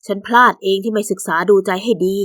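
A woman's voice: on the high side, fast, fairly bright tone, dry recording, studio quality, lightly acted. A woman voicing a weary young husband who talks in a resigned, reasoning way.

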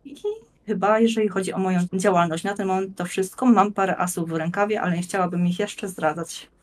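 A woman in her thirties speaking as a guest, explaining things in a measured, articulate and rather formal way. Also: mid-range voice, fairly even intonation, darkish tone, a little hiss or hum. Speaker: guest, blogger and game master. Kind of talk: conversational explanatory presentation. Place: plain room indoors, on video call.

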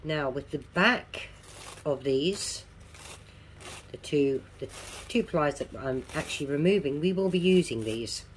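A middle-aged woman with a low voice and toothless, softened articulation walks through a craft demonstration. She takes it slowly and casually, repeating key instructions. She is recorded at a home table with noticeable background noise. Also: lively intonation. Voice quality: toothless, slightly slurred articulation. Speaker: craft tutorial presenter.

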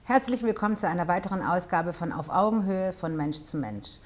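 Woman host with a low voice, welcoming, steering the interview with questions. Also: expressive, fairly quick, loud music behind the voice. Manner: welcoming, asks many questions. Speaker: talk show host. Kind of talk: hosting an interview. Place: small studio set with armchairs.

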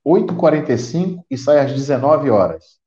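On a roomy, dull-sounding video call, a middle-aged guest from Brazil chats casually, explaining things at length and often starting over. He has a Brazilian Portuguese accent and a mellow, medium-pitched voice with lively intonation and a brisk pace.

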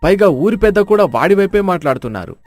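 A man plays an aggrieved farmer in a cartoon village tale. The voice is high for a man and complaining, recorded dry over faint music. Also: very animated, fast talker, a little mellow, dry recording. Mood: resentful. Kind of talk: animated moral story dialogue.

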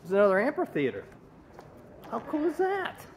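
Lively man on an outdoor walking tour. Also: very high-pitched, normal speed, noisy background. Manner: relaxed, wondering aloud, asks many questions. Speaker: father filming a walking tour. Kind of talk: casual chat while walking. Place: outdoors on a sunny city plaza with metal walls and gardens. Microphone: 360 camera on a stick at arm's length.

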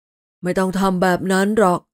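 A wary grown man, voiced by a woman narrator, pushes his words out slow and low, friendly on the surface with caution underneath. It is a storybook reading in a dry, close sound. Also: flat delivery, no room sound, natural voice. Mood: guarded. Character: wary middle-aged man, forcing a friendly tone.

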